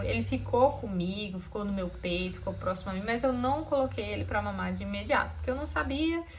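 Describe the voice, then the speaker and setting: The woman's speech comes at a fairly quick pace. Audible room echo and noticeable background noise are both present. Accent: Brazilian. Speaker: mother sharing personal story. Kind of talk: personal vlog testimony. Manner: casual, conversational.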